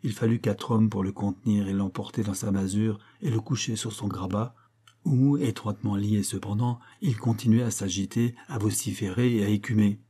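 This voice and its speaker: Male audiobook narrator, measured, dark mellow tone, husky. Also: fairly low pitch, fairly even intonation. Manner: measured, storytelling. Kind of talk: scripted narration.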